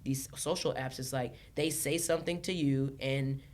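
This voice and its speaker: A woman from Los Angeles, a podcast guest chatting casually, animated, laughing often and restarting her sentences. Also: a bass voice, normal speed. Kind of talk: casual chat.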